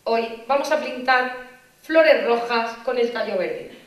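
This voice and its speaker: A woman acting out a strict schoolteacher who hushes her class with clipped commands, in a roomy hall with the mic far off. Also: on the high side, measured pace, lightly acted. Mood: stern hushing. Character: strict adult female schoolteacher hushing class.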